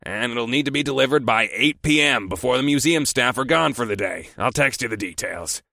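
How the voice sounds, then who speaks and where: A man's voice: mid-range voice, expressive, brisk, vocal fry, pushed and bright, no echo. A harsh, rusty growl of a boss, impatient and snide, clipping his words short. A man acts him out in a dry, close sound. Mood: curt, snide. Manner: curt, snide. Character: gruff impatient male trucking boss.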